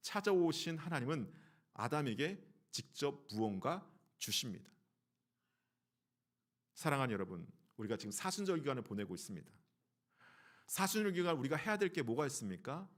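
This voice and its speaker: A man, a pastor, preaching a Sunday sermon. He asks the congregation questions and acts out quoted lines in a changed voice. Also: mid-range voice. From South Korea. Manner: fillers and restarts.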